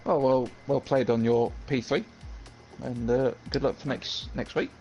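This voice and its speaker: A man's voice: mid-range voice, fairly even intonation, measured pace, a little mellow, highs cut off, faint music behind. A man interviewing racers over voice chat in a casual, bantering style. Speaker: co-host interviewer. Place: voice chat from separate remote locations.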